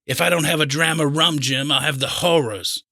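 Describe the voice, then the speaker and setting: A man voicing a feeble old seafaring pirate in an audiobook, pleading and agitated in rough sailor's dialect. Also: a little high, fairly even intonation, moderate pace, sharp tone, dry recording, studio quality, voice pushed up. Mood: desperate, pleading. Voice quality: weak voice. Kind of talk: audiobook character acting.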